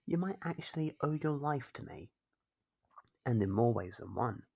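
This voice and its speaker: A performer acting out an obsessive stalker for an ASMR roleplay, in a husky, gravelly voice of middling pitch. The captor coaxes and chides like a doting owner, possessive and smug, drawing out teasing little questions. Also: lively intonation, mellow. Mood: scolding, possessive. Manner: coaxing, chiding, drawn-out teasing questions. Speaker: voice actor.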